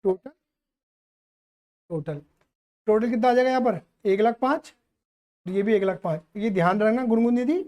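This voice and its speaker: Guy teaching accounts to a live class, jokey, keeps asking kids if it's clear. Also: high-pitched, normal speed, pauses often, a little mellow. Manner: playful, teasing, keeps quizzing students.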